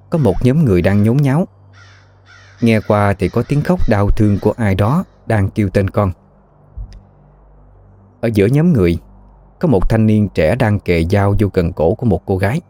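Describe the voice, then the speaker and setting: A man narrating a ghost story in a steady, even storytelling manner. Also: on the low side.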